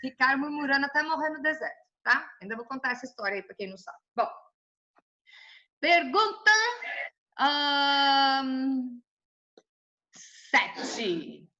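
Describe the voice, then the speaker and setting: Bright-voiced Brazilian woman teaching scripture. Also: high-pitched, takes it slowly, long pauses, lo-fi sound. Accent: Brazilian Portuguese. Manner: colloquial and lively, with playful asides. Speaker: Bible study teacher. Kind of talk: teaching a Bible study.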